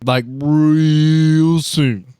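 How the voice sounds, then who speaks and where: Slow folksy drawl, grudging rural man, acted by a male player, plainspoken, deliberate pauses, tabletop roleplay. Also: a little high, fairly even intonation, warm tone, clean tone, no echo, studio quality, voice pushed up. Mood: interested, folksy.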